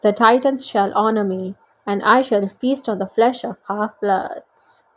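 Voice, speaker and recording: A woman's voice: mid-range voice, measured pace, lightly acted, rough recording. A woman voicing a bitter, grandiose male manticore villain in a storybook, drawn out and menacing.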